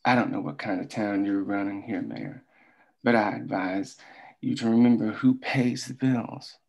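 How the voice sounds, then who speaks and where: Gravelly, stern company boss, read by a man. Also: fairly low pitch, animated, moderate pace, a little mellow. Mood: stern, threatening. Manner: formal, admonishing. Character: stern, moralizing male mine company boss. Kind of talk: script table read.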